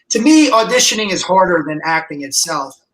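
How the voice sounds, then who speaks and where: With an American accent, a man talks in a high-pitched voice. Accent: slight New Jersey, worked to lose it. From New Jersey. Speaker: actor. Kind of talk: casual chat. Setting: live video podcast. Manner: halting, repeats words.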